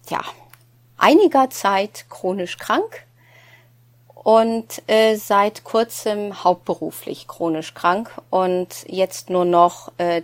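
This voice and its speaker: A middle-aged woman from Norway, a native Norwegian speaker, talking as a podcast guest, halting and searching for words. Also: lowish voice. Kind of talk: casual podcast conversation.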